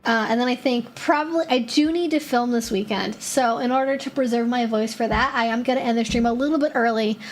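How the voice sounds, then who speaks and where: A woman's voice: on the high side, brisk, few pauses. A woman hosting a casual live-stream Q&A, answering viewer questions in a chatty way, with lots of filler words as she thinks aloud.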